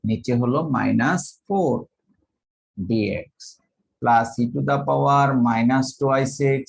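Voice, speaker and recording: A man from Bangladesh lecturing on math, talking slowly and methodically and dictating each formula step by step. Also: medium pitch, gravelly, rough recording.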